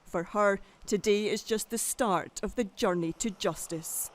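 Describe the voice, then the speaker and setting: Woman reporter, mid-pitched narration. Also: measured pace, slight background noise. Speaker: news reporter. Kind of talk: scripted news report narration.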